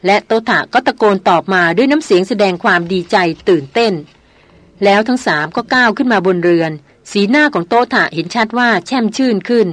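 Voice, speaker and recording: A woman narrating a novel in an audiobook, telling the story in a steady, clear way. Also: mid-range voice, brisk, dry recording. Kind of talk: reading a novel aloud.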